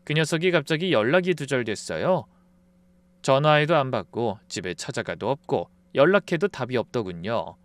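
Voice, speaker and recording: A man's voice: mid-range voice, lively intonation, moderate pace, no echo. A man narrating a dramatic first-person story in an earnest, confiding way.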